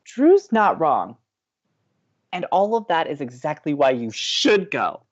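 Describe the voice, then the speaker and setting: A woman's voice: low voice, big pitch swings, slow, dull audio, full character voice. A woman playing an upbeat, teasing, hopelessly romantic college radio co-host in an audio drama, talking in playful, emphatic banter. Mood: teasing, insistent. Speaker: actor in a romantic comedy podcast.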